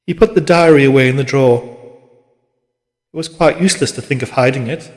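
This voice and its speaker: A man reading literary fiction as an audiobook narrator, in a measured, dramatic manner. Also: mid-range voice. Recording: long reverberant hall-like echo.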